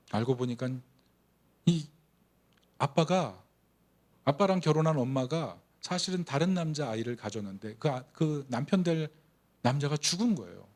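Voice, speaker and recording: A man's voice: on the high side, darkish tone. A middle-aged man preaching a Sunday sermon, telling a story and building to fervent, emotional emphasis. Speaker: pastor.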